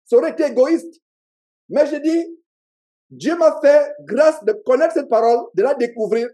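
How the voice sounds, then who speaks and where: A man's voice: very high-pitched, normal speed, mellow. A pastor with a Cameroonian French accent preaching a sermon to a congregation, emphatic and repeating his key phrases, with call-and-response. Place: church meeting.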